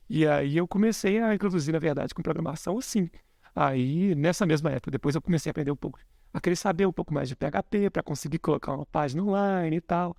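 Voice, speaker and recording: A man around forty from Belo Horizonte, speaking as a guest in a casual podcast conversation, relaxed and thoughtful, often correcting himself mid-sentence. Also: fairly high pitch, creaky, no room sound, clean studio sound. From Brazil, Belo Horizonte. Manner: relaxed, thoughtful, frequent self-corrections, chuckles softly. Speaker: guest, software engineer.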